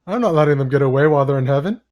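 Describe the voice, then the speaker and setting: A man's voice: a little high, lively intonation, racing, a little mellow. A man playing a tabletop role-playing game, talking casually with the group.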